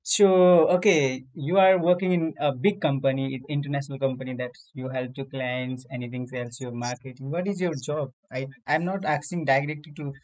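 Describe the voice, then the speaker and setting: South asian guy chatting casually, accented english, kinda halting, repeats stuff, normal pitch. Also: steady tone, poor audio. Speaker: medical lab technician. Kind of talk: casual language-practice chat.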